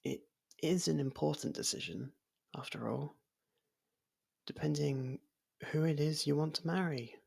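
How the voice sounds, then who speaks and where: A performer voicing a gentle, lovestruck faerie in an intimate ASMR roleplay, breathy and half-whispered, speaking in a hesitant, halting way. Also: medium pitch, full character voice. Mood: gently curious. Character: soft-spoken, lovestruck young faerie royal, shy, possessive.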